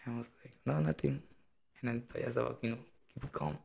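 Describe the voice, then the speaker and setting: Gravelly, husky man with US Latino Spanish accent. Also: mid-range voice, completely flat delivery, quick pace. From Latin American immigrant living in the United States. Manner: code-switches into English, often tags phrases with a questioning check. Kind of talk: casual chat, telling personal anecdotes.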